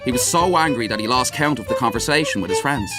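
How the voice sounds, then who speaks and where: A man narrating literary fiction as an audiobook reader, with dramatic, measured storytelling. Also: mid-range voice, lively intonation, loud music behind the voice. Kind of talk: expressive scripted literary narration.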